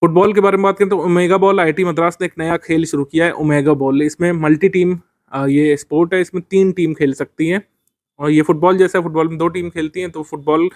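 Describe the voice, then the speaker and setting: A man's voice: on the high side, fairly even intonation, fairly quick, darkish tone, no echo. A man teaching current affairs for a civil services exam, explaining step by step with frequent fillers.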